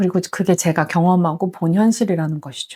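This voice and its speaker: A woman speaks at medium pitch and a moderate pace, somewhat breathy. The recording is very clean with a silent background. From South Korea. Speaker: vlogger, former scuba diving instructor. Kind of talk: personal essay monologue. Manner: conversational, with filler words.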